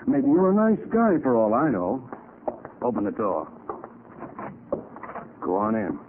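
An actor playing a cocky, slangy gangster killer in a 1940s radio crime drama. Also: male voice, on the low side, very animated, a little slow, narrow, tinny audio. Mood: smug, cold. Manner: tough slangy gangster talk. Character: cocky male gangster killer and swindler holding a gun. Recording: scratchy, thin 1940s radio recording.

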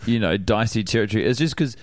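A man co-hosting a comedy podcast, animated and laughing as he recounts scenes. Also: on the low side, fast talker, no room sound. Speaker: podcast co-host. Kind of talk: casual comedy podcast chat.

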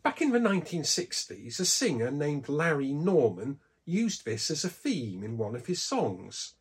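Male preacher, husky, slightly high-pitched, talks through a scripted devotional with lively emphasis. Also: unhurried. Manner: storytelling, lively emphasis on key words. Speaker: preacher giving a Bible talk.

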